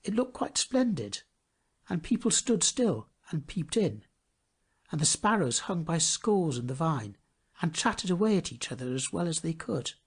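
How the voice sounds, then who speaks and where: Male audiobook narrator for children's classics. Dramatic, animated intonation, slightly rough-edged tone. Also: on the high side, normal speed. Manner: expressive, dramatic storytelling. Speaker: storybook reader. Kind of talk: scripted storybook narration.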